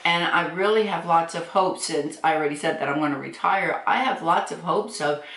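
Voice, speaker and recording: A woman's voice: low-pitched, moderate pace, fairly bright tone. A woman in her sixties chatting on her beauty vlog as she answers viewer comments, laughing often and speaking frankly. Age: 60s. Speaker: beauty vlogger. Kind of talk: casual chat reading viewer comments. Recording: echoey room.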